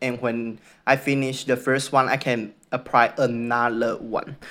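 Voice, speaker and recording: A man speaks very slowly and with fairly even intonation on a very clean recording with a silent background. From Taiwan. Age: 20s. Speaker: podcast host. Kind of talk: solo podcast monologue. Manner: halting, with fillers.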